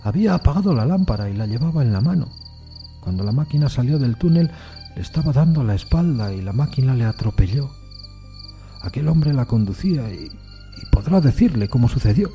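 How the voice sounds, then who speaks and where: A solemn Victorian railway workman, voiced by a man in an audio drama. He is respectful and grave, speaking in a raised pitch with faint music behind him. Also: sing-song, a little fast, dark tone. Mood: somber explaining. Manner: deferential, solemn.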